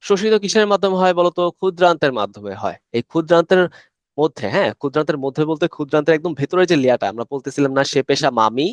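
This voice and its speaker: A young man teaches biology in a rapid, talkative way and keeps posing questions that he answers himself. His voice sits a little high. The recording is dry and close, with no room sound. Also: animated, dry recording. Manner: chatty, asks questions and answers them himself; mixes English terms into Bangla speech. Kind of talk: recorded online lecture.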